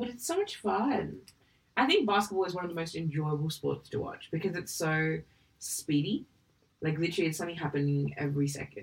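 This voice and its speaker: Somewhat breathy and fairly low-pitched, a woman talks at a fairly quick pace with lively intonation. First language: Hindi. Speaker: podcast co-host. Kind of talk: casual chat.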